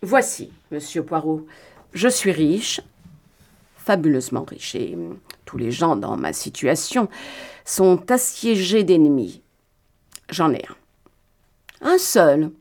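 A woman reading the part of a rich, wary American businessman with a soft, slightly nasal and persuasive voice. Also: low voice, sing-song, slow, pauses often, heavily acted. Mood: insistent. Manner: persuasive, insistent.

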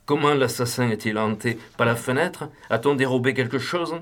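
A man's voice: medium pitch, moderate pace, a bit bright, pitched above the performer's own voice, close to an everyday voice. A man voicing an anxious young male secretary in an audiobook, shaken but composed. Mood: puzzled.

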